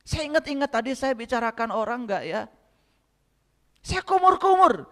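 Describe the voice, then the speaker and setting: A man's voice: very high voice, big pitch swings, normal speed, fairly bright tone, in a large hall. A man giving a spiritual lecture to a congregation, often asking them rhetorical questions and speaking to them directly. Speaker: religious lecturer.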